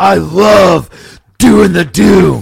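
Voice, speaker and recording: A man puts on a raspy character voice, pitched fairly high. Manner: obnoxious.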